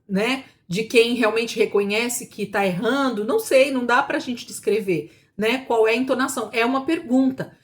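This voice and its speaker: Emphatic woman teaching a Bible class. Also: fairly high pitch. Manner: conversational, rhetorical questions, frequent "né?" tag; emphatic, slows down to stress points.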